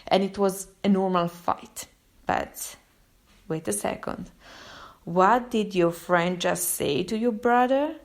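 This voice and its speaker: Slow and gravelly, this Italian-accented therapist from Italy hosts a podcast and chats her way through a casual live monologue. When she imitates what people said, her pitch leaps abruptly.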